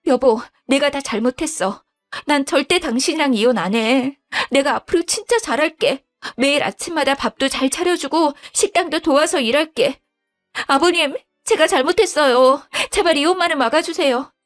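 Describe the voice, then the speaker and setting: A woman voicing a scheming young wife who begs and stammers in a whiny, high voice. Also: normal speed, soft background music, natural voice. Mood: pleading. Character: pleading scheming young wife, daughter-in-law.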